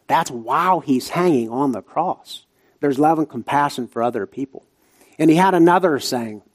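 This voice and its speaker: A man's voice: medium pitch, a little mellow. A man with an Appalachian, Southern US hillbilly accent preaching a sermon in emphatic short phrases, repeating himself and asking rhetorical questions.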